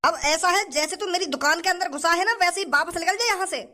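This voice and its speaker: A man's voice: very high-pitched, quick pace, sharp tone, heavily acted. A man voicing a stingy, rude male shopkeeper. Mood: scornful. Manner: scornful, rustic dialect.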